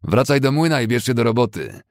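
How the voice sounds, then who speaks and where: A man voicing a scornful, coarse white ex-soldier who talks loudly and sneers. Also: low-pitched, animated, fairly quick, no echo, studio quality, pitched above the performer's own voice. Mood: mocking. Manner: scornful, loud.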